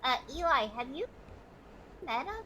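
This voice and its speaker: A woman streamer talks casually with friends, her voice high and bright with a sharp edge. Her pitch leaps around constantly as she chatters and drops the odd curse. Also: expressive, normal speed, slight background noise. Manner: high-pitched, calls own voice annoying; swears freely, chatty. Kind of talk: casual chat.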